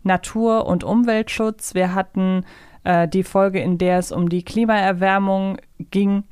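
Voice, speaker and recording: A woman's voice: mid-range voice, steady tone, unhurried, darkish tone, clear, resonant tone, no echo, clean studio sound. A woman hosting a podcast in a conversational way. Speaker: podcast host.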